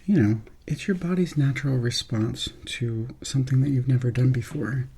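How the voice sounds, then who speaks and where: A soft-spoken man doing an ASMR roleplay in an unhurried, reassuring manner. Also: medium pitch, vocal fry, a little hiss or hum. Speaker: ASMR performer playing a substitute surgeon.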